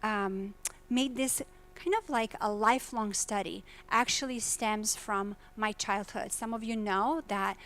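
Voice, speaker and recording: A woman from Croatia speaks at a business conference, with an earnest, questioning delivery. Her voice sits at a middle pitch and she keeps turning to the audience with direct questions. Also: measured pace, a bit bright. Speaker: faculty presenter. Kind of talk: conference keynote talk. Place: lecture hall at a business summit.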